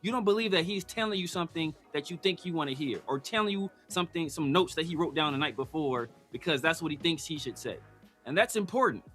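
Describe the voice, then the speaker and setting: Faint music plays behind this podcast host as he argues emphatically on a laid-back sports show, often cutting across his co-host. His voice is high, sharp and bright, and he talks quickly with plenty of animation.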